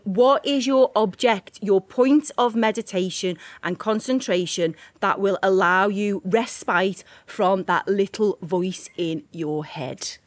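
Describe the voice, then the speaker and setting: Animated woman yoga teacher. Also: medium pitch, no echo. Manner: animated, rhetorical questions. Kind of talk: casual interview.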